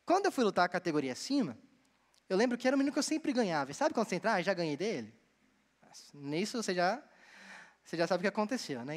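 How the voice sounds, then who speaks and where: A young man from Bahia, Brazil, preaching a sermon as a seminarian and telling stories with lively delivery. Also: sits high. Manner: storytelling, animated, addresses the congregation directly. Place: church hall. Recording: long church hall reverb.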